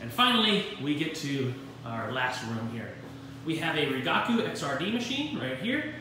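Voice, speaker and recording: A man's voice: fairly high pitch, big pitch swings, moderate pace, far from the mic, background noise. A man giving an informal walking tour of a university materials lab, talking in a rambling way with many fillers and dry self-deprecating asides. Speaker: university engineering instructor. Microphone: handheld phone camera while walking. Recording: very echoey room, voice off-mic.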